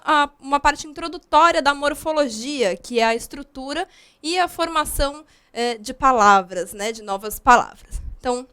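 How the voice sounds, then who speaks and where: A young woman from Brazil with a high, bright voice gives a recorded grammar lesson. She explains step by step, patient and unhurried, with frequent small fillers between points. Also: clean tone. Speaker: grammar teacher.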